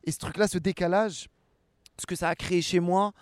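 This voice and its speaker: Guest, twenties, French man; loose rambling talk, fillers, slightly high voice. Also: brisk, dry recording, clean studio sound. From France. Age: 20s. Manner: relaxed, rambling, many fillers and restarts. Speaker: actor and rapper guest. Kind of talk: casual interview answers.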